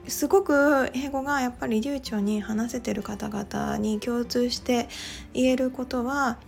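In a casual monologue for her own podcast, a woman from Japan chats along with many filler "well"s. Her voice is fairly high-pitched and creaky.

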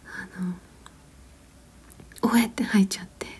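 A mother in her thirties whispering a long, rambling story, gentle and full of small fillers and soft laughs. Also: mid-range voice, fairly even intonation, measured pace, husky.

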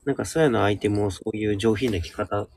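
A man's voice: lowish voice, quick pace, a little mellow. A man speaking as a guest, politely presenting his picks step by step in a casual conversation. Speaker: radio show guest.

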